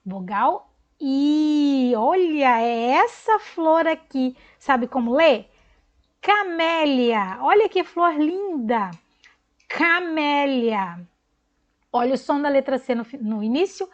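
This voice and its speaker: A woman teacher speaks slowly to small children in a high, lively voice, spelling out letters one by one and praising each answer. Her voice is recorded with dull, lo-fi sound. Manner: slow, encouraging, spells out letters and counts syllables. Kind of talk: recorded online class for young children.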